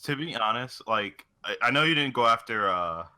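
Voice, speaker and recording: A man's voice: mid-range voice, expressive, moderate pace, bright, forceful tone. A man co-hosting a podcast, talking casually in a profane, joking style. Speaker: podcast co-host.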